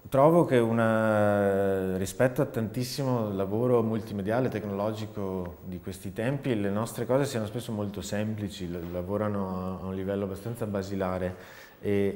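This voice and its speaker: Male artist, 30s, low voice, thoughtful and halting interviewee, echoey studio. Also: a little mellow. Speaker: multimedia theater artist. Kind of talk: reflective interview monologue. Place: large dark indoor studio, seated. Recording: echoey, reverberant empty studio.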